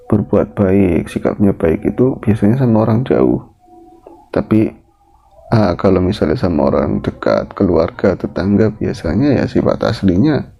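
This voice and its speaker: A man's voice: fairly low pitch, creaky, slight background noise. A man telling a horror story in a chatty, loose way full of fillers. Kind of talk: casual spoken horror storytelling. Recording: dull lo-fi recording.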